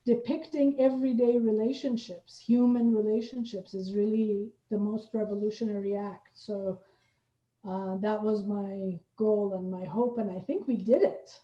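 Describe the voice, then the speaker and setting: A woman hosting a conversational interview, speaking in deliberate, somewhat hesitant phrases. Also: medium pitch, fairly even intonation, warm tone. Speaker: host, theater artist. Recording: roomy, dull lo-fi audio.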